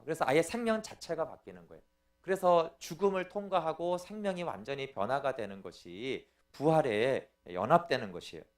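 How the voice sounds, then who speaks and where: A middle-aged man, a pastor, giving a teaching sermon in an explanatory way and often checking in with his listeners. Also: high-pitched. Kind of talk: sermon lecture.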